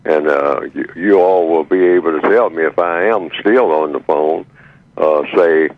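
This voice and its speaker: A man in his eighties speaking by phone as a radio guest over a clipped line, slow and measured with halting fillers. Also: low voice, no echo. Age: 80s. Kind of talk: radio call-in talk by phone. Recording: dull, dry phone line.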